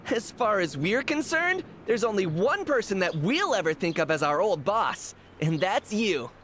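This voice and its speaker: A woman's voice: medium pitch, very animated, normal speed, fairly bright tone, a little hiss or hum. A woman voicing a friendly, practical kid from a children's gang in a video game, earnest with a teasing edge.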